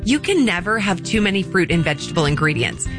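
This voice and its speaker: A woman's voice: fairly low pitch, big pitch swings, fast talker. A woman reading a polished, scripted ad. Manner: polished, informative. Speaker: ad announcer. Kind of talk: scripted ad read. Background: music.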